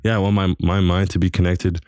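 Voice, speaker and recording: A young man talking in a casual podcast chat, rambling and halting, full of slang and restarts. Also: deep voice, flat delivery, a little mellow, no echo, studio quality. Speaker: podcast host.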